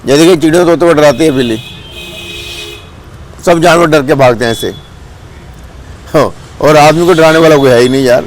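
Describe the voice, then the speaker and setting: A man's voice: a little high, moderate pace, pauses often, slight background noise. A man with a Punjabi accent from Punjab, India, giving a blunt, scolding monologue outdoors. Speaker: vlogger. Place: outdoors with birds and a cat nearby.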